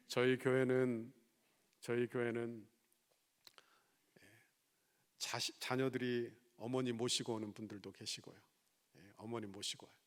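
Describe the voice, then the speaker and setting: A male pastor preaching a Sunday sermon, emphatic, firing off rhetorical questions and repeating his points to the congregation. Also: mid-range voice. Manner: repeats phrases and checks in with the congregation. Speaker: senior pastor.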